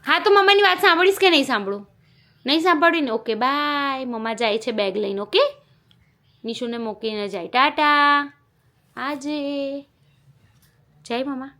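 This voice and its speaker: Speaking at a moderate pace with frequent pauses, a young mom uses a high, pushed, bright voice. The family vlogger engages her toddler at home in casual, playful chat, coaxing in sing-song baby talk.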